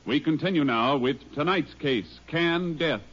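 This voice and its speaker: A man's voice: a little high, a little slow, fairly bright tone, husky. A man announcing in formal 1950s radio style, on a muffled old radio recording. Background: music.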